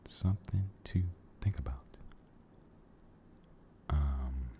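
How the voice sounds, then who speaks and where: A man giving a soft-spoken, mostly whispered ASMR ramble, halting and gentle, repeating his phrases, close to the microphone. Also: a bass voice, background noise. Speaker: ASMR video creator.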